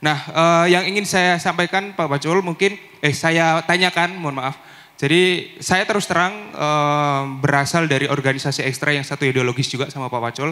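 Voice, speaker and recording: A man talks at a fairly quick pace, his pitch fairly high with ordinary variation. His tone is bright and sharp. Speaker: university student; audience member. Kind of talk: audience question. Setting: stage with audience. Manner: halting. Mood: polite, respectful. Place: hall. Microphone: handheld.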